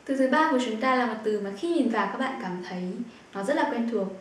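A woman from Vietnam teaching German pronunciation, saying each word slowly and clearly between quick explanations. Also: a little high, animated, heavy reverb, recorded from a distance, slight background noise.

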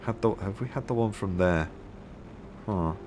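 Hoarse deep-voiced man gaming. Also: a little slow, music in the background. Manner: relaxed, musing aloud, many fillers. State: hoarse, losing his voice. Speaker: gameplay video host. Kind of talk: casual gameplay commentary.

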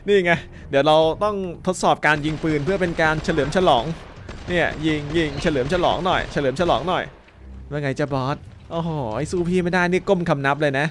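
A man playing a mobile shooter and commentating, playful and often breaking into loud, excited yelling during fights. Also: fairly high pitch. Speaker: gaming YouTuber.

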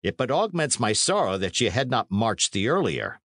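A man's voice: medium pitch, sing-song, moderate pace, a bit bright, no echo, studio quality. A man reading a storybook as a medieval messenger, formal and reproachful, with archaic, urgent speech. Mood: rueful.

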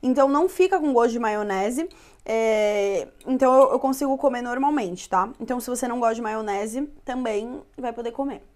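A young woman hosts a casual home cooking show indoors, moving between her kitchen and living room. She is chatty and often checks in with listeners, dropping filler "tá?" tags. Her voice is a little high, brisk, and a little mellow.

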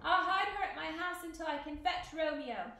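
Storybook friar, male, anxious and fretful, played by a woman, high-pitched, in a very echoey room. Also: moderate pace, heavy background noise. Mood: anxious, flustered. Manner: fretful exclamations. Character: flustered, anxious male friar rushing to the rescue.

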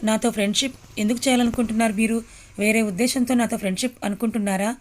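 A woman's voice: a little high, steady tone, fast talker, lightly acted. A woman voicing a young housewife and mother who answers a stranger curtly and with irritation. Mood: irritated. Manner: curt, irritated.

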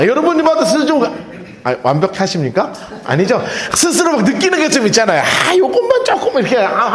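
A middle-aged male pastor preaching a sermon, chatty and animated, with laughing asides to the congregation. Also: very high voice. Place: church sanctuary. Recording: roomy church reverb.

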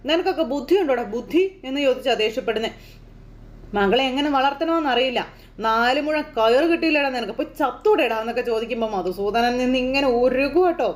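A woman in casual style quickly retelling a TV serial episode, slipping into the characters' lines as she goes. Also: high voice. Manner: lively storyteller voicing characters' lines in passing. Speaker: serial recap narrator. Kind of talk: fast casual plot retelling.

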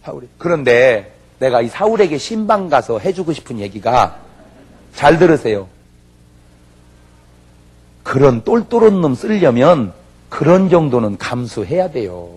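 This pastor's voice sits in the mid-range, a bit slow and breathy, with frequent pauses. He preaches a humorous revival sermon, bringing his stories to life by playing each character and breaking into shouts.

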